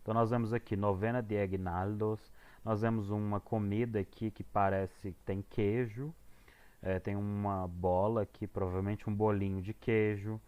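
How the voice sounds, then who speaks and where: Brazilian male teacher, low voice, chatty and halting explanations for remote students. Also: little pitch movement, smooth, muffled recording. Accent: Brazilian Portuguese. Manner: casual, hesitant, with many fillers and restarts. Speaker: English teacher.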